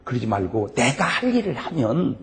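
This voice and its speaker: A man preaching a humorous revival sermon as a pastor, telling animated stories with frequent laughter. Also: medium pitch, moderate pace. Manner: animated storytelling with frequent laughs and shouted punchlines. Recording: long hall reverb, faint background noise.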